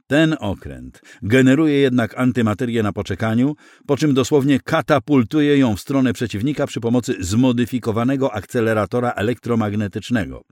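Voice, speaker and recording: A man's voice: mid-range voice, darkish tone, no room sound, clean studio sound, lightly acted. A man voicing a weary, gloomy fleet admiral who answers in a heavy, subdued, matter-of-fact way.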